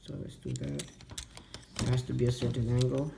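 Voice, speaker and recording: A man slowly talking through a toy transformation step by step, muttering to himself as he works. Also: mid-range voice, very animated, vocal fry. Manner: slow, step-by-step instructional talk, muttering to himself. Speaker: toy reviewer. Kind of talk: hands-on toy transformation demo. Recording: echoey room with background noise.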